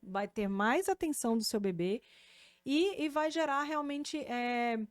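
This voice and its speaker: A Brazilian-accented woman speech therapist talks through her topic like a patient teacher, animated and sure of herself. Her voice sits a touch high, and the recording is dry and close. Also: unhurried, clean tone, no echo. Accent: Brazilian Portuguese. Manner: didactic, animated, checks in with "né?" and "tá?". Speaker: speech therapist and podcast host. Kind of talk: explanatory podcast conversation.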